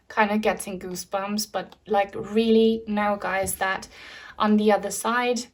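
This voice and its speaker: A woman whose first language is German, giving a casual pick-a-card tarot reading to her viewers with lots of fillers and asides. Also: mid-range voice. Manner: chatty, many fillers, addresses viewers as guys. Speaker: tarot reader.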